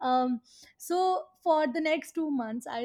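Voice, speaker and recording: A woman with an Indian accent speaks against a quiet background. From India, Mathura, western Uttar Pradesh. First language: Hindi. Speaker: social entrepreneur. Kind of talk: interview.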